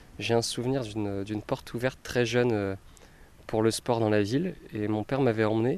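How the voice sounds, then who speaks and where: Here a man speaks in an ordinary speaking voice at medium pitch. He keeps a moderate pace with ordinary pitch variation. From Lorraine, France (Metz, Moselle). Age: 20s. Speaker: adventurer. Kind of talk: interview.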